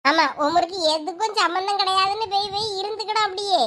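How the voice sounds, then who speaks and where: A woman playing a sharp-tongued village mother who nags and scolds. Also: extremely high pitch, quick pace. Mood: scolding. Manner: scolding, nagging. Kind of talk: comedy skit acting.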